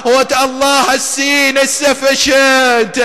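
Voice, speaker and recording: A man delivering a mournful sermon, recounting slowly with grief and breaking into cries. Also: very high voice, monotone, pushed and bright. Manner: slow, grieving storytelling with sudden cries. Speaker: preacher. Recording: long reverb of a large hall.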